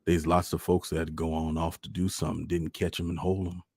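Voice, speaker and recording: A man playing a gentle, wistful country father with a rural Southern accent and a folksy, plainspoken manner in a storybook reading. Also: sits low, little pitch movement, brisk, gravelly, breathy edge, dry recording, exaggerated voice. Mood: consoling.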